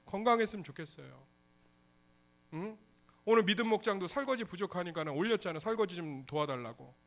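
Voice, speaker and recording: A male pastor delivers a lively sermon, often slipping into dramatized dialogue. His voice sits high and bright. He swings widely in pitch as he preaches. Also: fairly quick, vocal fry. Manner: animated, acts out dialogues in voices.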